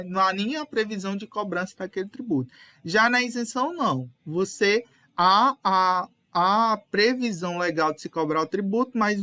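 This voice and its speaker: A man's voice: sits high, pushed and bright, dry recording. A young man explaining a lesson casually and patiently, correcting readers and dropping lots of fillers. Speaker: teacher leading a reading session.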